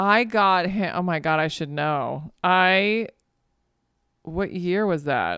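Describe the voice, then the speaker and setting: A woman's bright, sharp, fairly low voice at a very slow pace, with ordinary pitch variation, on a very clean recording against a silent background. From Spain, raised in Virginia, US. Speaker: stand-up comedian. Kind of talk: casual interview.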